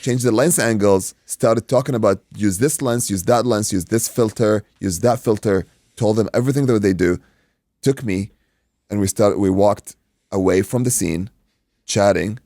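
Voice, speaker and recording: A man from Iraq, a native Arabic speaker, telling an animated anecdote in casual podcast chat, acting out dialogue and swearing freely. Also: on the low side, moderate pace, no room sound, clean studio sound. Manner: acts out dialogue, swears, says "dude". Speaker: podcast guest, martial arts coach and stunt performer.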